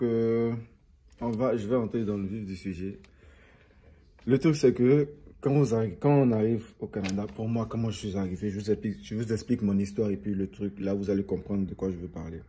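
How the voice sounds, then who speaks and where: A man's voice: on the low side, mellow, husky. A young man chatting casually to viewers as a vlogger, rambling and repeating phrases for emphasis. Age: young adult.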